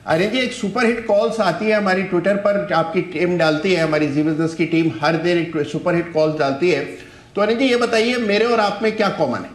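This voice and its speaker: A man's voice: sits high, moderate pace. A man giving stock calls on a live business show, upbeat and addressing the host by name again and again. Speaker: market analyst. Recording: roomy echo.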